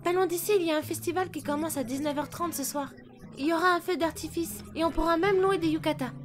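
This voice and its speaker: Extremely high-pitched teenage girl acted by a woman, perky, assertive, expressive, anime fandub, clear music behind. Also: fast talker. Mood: cheerful. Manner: forthright, expressive. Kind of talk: amateur anime fandub acting in French.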